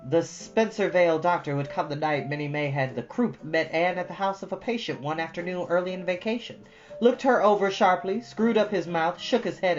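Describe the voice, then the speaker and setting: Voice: medium pitch, muffled recording. A storytime host speaking to children, moving between earnest, preachy casual asides and storybook reading, repeating points for emphasis.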